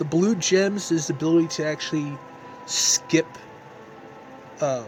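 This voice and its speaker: Music plays in the background as a man talks at a fairly slow pace in a high voice with ordinary pitch variation. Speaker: gaming video creator. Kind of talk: tutorial. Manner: halting, self-correcting; casual.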